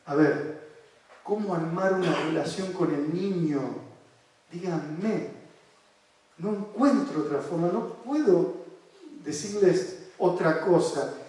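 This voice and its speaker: A man's voice: on the high side, slow, long pauses, darkish tone. A man with an Argentine accent, a psychoanalyst giving a seminar talk, telling case stories animatedly and asking the audience rhetorical questions. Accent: Argentine Spanish. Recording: echoey room, voice from far off the mic.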